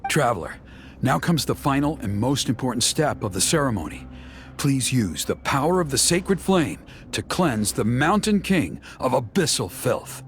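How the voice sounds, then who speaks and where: An actor playing a proud, scheming tribal elder leading a ceremony in a video game, formal and commanding. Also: male voice, mid-range voice, sing-song, normal speed, lightly acted. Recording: game audio with music underneath.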